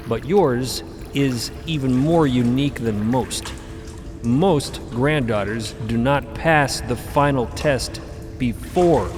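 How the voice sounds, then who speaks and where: A man's voice: mid-range voice, lightly acted. An actor playing a wise, exasperated male cosmic mentor in a fantasy audio drama, pontificating with dry, impatient asides. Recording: long cavernous reverb under loud music.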